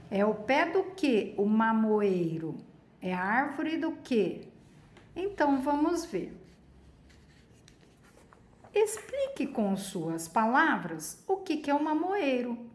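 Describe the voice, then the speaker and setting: A woman's voice: fairly high pitch, reverberant. A Brazilian woman teaching a primary school lesson, patiently asking questions and stretching key words. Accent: Brazilian Portuguese. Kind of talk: recorded lesson for children.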